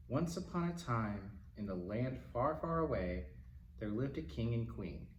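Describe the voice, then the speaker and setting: A man reading a picture book aloud to young children in a gentle, simple manner, with little asides to them as a storytime reader. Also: mid-range voice, expressive, slow pace, dull audio. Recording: roomy, distant mic with faint noise.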